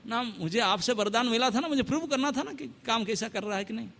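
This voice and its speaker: A man voicing a mischievous male sage who schemes and excuses himself in a quick, excitable way. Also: very high-pitched, in a large hall. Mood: sly excitable.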